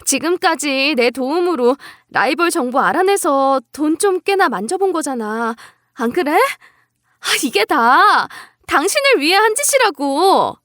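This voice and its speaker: A woman's voice: high-pitched, very animated, measured pace, fairly bright tone, no echo, clean studio sound, voice pushed up, full character voice. A woman voicing a scheming middle-aged wife who pleads and justifies herself to her husband, in a radio story. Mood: pleading.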